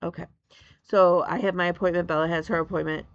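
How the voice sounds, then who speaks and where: A woman's voice: on the low side, steady tone, fairly quick, gravelly, no room sound, dull audio. A middle-aged woman hosting a cross-stitch vlog, chatting casually and rambling from one story to the next. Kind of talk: casual chat.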